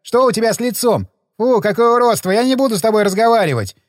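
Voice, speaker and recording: A man voicing a spoiled, hysterical rich male patient who shrieks rapidly. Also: high voice, lively intonation, no room sound, clean studio sound, pitched above the performer's own voice.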